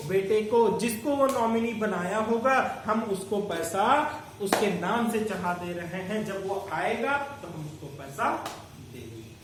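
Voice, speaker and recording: A man teaching an accounting lecture, explaining step by step and calling his students "beta". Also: sits high. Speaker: commerce teacher. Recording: very echoey room, distant mic, faint noise.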